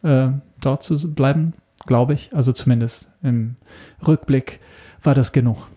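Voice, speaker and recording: Guy guesting on a podcast, super mellow dark voice, casual, a bit halting. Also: mid-range voice, slightly rough. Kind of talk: casual chat.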